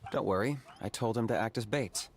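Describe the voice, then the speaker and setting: A man's voice: lowish voice, brisk, slight background noise, close to an everyday voice. An actor playing a stoic young male hunter in a video game, curt and matter-of-fact.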